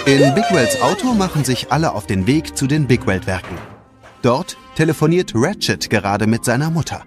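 A man's voice: medium pitch, sing-song, normal speed. A man narrating a children's audio drama in a scripted storytelling style. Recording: loud music behind the voice.

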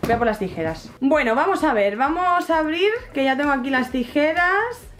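Gushing young woman, high voice. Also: lively intonation, normal speed, fairly bright tone. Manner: gushing, repeats herself, squeals with delight. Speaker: book and collectibles vlogger. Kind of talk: excited casual unboxing chat.

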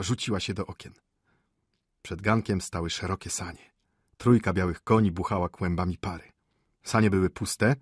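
Husky low-voiced male audiobook narrator. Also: no room sound, clean studio sound.

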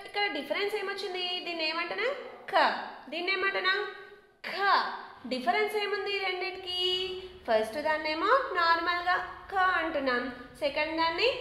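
Bright-voiced teacher woman in echoey room. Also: sits high. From India. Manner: cheerful, coaxing, asks children questions. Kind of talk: classroom lesson teaching letters to children.

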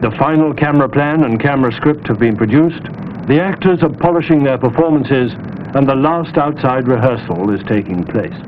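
British film narrator, thin vintage sound. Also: male voice, mid-range voice, animated, moderate pace, narrow, tinny audio, slight background noise. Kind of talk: scripted training film narration.

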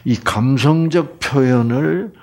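A man's voice: mid-range voice, takes it slowly. A man from the Gyeongsang region with its accent, giving a humorous Bible lecture and playfully asking the audience for replies. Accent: Gyeongsang Korean. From Gyeongsang region, Korea. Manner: animated, self-mocking, playfully asks the audience for replies.

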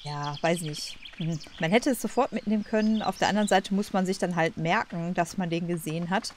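Low-pitched woman casually commenting on a game. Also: fairly quick, a little hiss or hum. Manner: colloquial, hesitant, thinking aloud. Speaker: let's play host.

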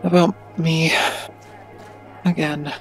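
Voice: mid-range voice, little pitch movement, soft background music, natural voice, low-quality recording. An actor playing a weary, anxious teenage kid in an audio drama, speaking in a hesitant way. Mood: subdued. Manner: hesitant, halting. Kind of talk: audio drama narration and dialogue.

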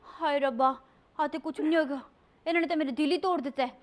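A woman's voice: sits high, fairly even intonation, fast, close to an everyday voice. A young woman with a Punjabi accent playing a melodramatic, cheeky female cobra on a comedy show, talking like a dramatic, emphatic aunty. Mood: dramatic, plaintive. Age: young adult. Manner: dramatic, emphatic aunty-like complaining with repeated words. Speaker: TV show host. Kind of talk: comic in-character call-in show. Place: TV studio, indoors.

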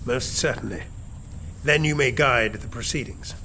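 A man playing a scheming, controlling royal chamberlain in an audio drama, with a measured, formal, commanding way of speaking. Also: mid-range voice, bright, forceful tone, slight background noise, lightly acted. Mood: menacing, commanding.

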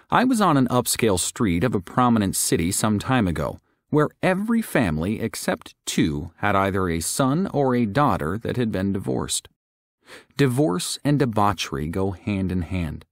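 Low-voiced man narrating a religious audiobook. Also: no room sound, studio quality.

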